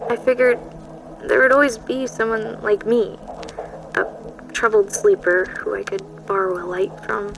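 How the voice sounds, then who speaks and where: An actress playing a haunted, sleepless woman, narrating a dramatic first-person account in a measured, hushed, ominous way. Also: mid-range voice, poor audio. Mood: uneasy, suspenseful. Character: haunted, sleepless woman recounting an eerie night. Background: music.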